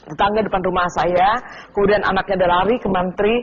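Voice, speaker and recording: A woman's voice: mid-range voice, little pitch movement, fast talker. A woman guest recounting a frightening night as personal testimony, retelling it vividly and emotionally. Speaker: guest, wife. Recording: dull lo-fi TV audio, faint noise.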